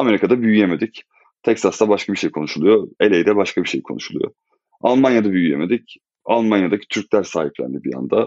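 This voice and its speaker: A man's fairly low voice with lively intonation at a fairly quick pace. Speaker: startup executive. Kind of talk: casual chat. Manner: fluent. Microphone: distorted audio at start.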